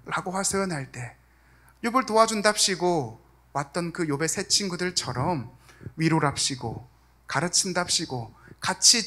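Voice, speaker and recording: An evangelist preaching a sermon in a church, lively and acting out the quoted lines in voices. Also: mid-range voice. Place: church sanctuary.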